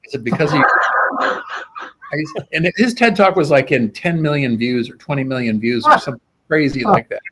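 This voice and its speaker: A man's voice: fairly high pitch, moderate pace, husky, rough recording. A middle-aged man, a guest sword swallower, telling stories in a casual interview and acting out the dialogue he quotes. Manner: animated, acts out quoted dialogue.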